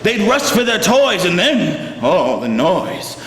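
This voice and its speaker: Theatrical high-pitched male storyteller, slow and swooping. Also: very animated, a bit bright. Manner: theatrical, exaggerated emphasis, drawn-out words. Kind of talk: dramatic storybook reading. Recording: echoey long reverb, music behind.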